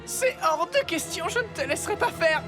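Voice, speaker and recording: A woman's voice: very high voice, animated, moderate pace, over loud music. A woman voicing a vain, peppy young superhero in a French cartoon dub, boastful and exclamatory. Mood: defiant, cocky.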